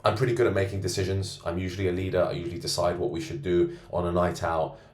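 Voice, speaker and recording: A man coaching men on self-improvement, rating himself out loud in a boastful, self-assured monologue from a co-working space. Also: low voice, little pitch movement, quick pace. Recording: roomy echo.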